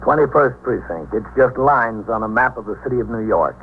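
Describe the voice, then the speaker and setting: Man as a steady police captain, matter-of-fact narration, thin phone-like old radio sound. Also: mid-range voice, fairly quick, lightly acted. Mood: calm. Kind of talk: 1950s radio drama narration. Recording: tinny old radio recording with faint hiss.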